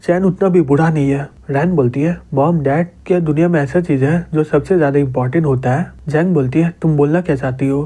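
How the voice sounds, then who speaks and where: A man's voice: a little high, steady tone, brisk, few pauses, mellow. A man with a Hindi accent retelling a comic story, reading the characters' lines in his own plain voice. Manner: plain retelling, quotes read without doing voices. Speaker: comic recap narrator.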